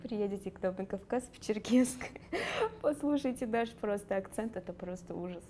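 A woman's voice: mid-range voice, normal speed, darkish tone, a little hiss or hum. A young woman from the North Caucasus with a light Circassian accent, chatting in a sit-down interview, laughing often and using many fillers. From Karachay-Cherkessia, North Caucasus. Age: young adult. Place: dark studio. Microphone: lapel.

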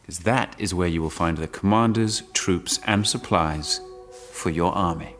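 A formal, matter-of-fact messenger official in an audio drama. His voice is fairly low and plain, with music clearly heard behind it. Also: a little slow. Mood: businesslike. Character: matter-of-fact male official bearing the council's orders.

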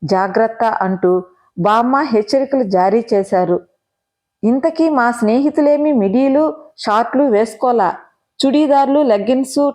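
A woman narrating a first-person audio story in an expressive, measured storytelling manner. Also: a little high.

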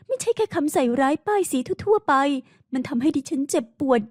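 A young heiress in a detective audiobook, trembling and pleading as she insists on her innocence, as a woman reader puts her on. Her voice sits raised and bright above the narration. The sound is close and dry. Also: high voice, lively intonation, a little fast, dry recording, pitched above the performer's own voice. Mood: anguished. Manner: tremulous, pleading. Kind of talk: audiobook character voice.

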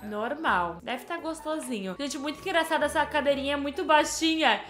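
A woman giving casual gameplay commentary, excitable and scolding and chatting with the game characters. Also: high-pitched, moderate pace, roomy sound, soft background music. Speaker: gameplay host.

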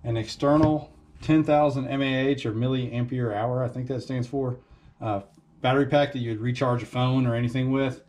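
Relaxed man in his garage. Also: mid-range voice, normal speed, a little hiss or hum. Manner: relaxed, conversational, frequent "uh" fillers. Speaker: fishing channel host. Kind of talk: casual how-to vlog. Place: home garage workshop, indoors.

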